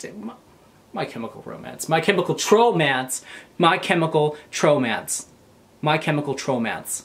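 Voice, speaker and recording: Angry and animated, a man speaks at a moderate pace with lively intonation and big swings in loudness. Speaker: video creator. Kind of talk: comedic roast rant video. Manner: animated, dramatic, sarcastic; angry, ranting, profane, mock-outraged. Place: home room. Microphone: phone near.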